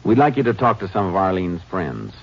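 Shrewd male lawman lead, deep bass, measured folksy delivery, dull vintage radio sound. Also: very animated, vocal fry, full character voice. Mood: calm, pressing. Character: steady, shrewd Texas Ranger lawman, grown man. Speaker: radio drama lead actor and narrator. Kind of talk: 1950s radio western acting and narration. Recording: muffled, noisy old radio recording.

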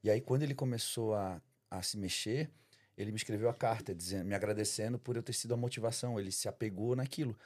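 A Brazilian man rattles off a story at a very fast clip in a casual podcast chat. His voice is lowish and he keeps dropping "cara" and "velho" between phrases. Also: darkish tone. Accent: Brazilian Portuguese. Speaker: bodybuilder guest.

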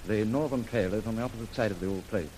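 An actor playing an eager young tank lieutenant who is polite and deferential in a 1930s radio drama. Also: male voice, fairly low pitch, fast, mellow, natural voice. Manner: polite, eager, keeps saying sir. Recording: noisy old radio recording.

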